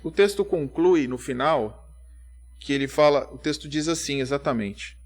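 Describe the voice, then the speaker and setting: A man, giving a conversational church sermon full of rhetorical questions, rising to loud emphatic peaks and dropping to quiet asides. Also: on the high side, normal speed. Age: 30s. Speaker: preacher.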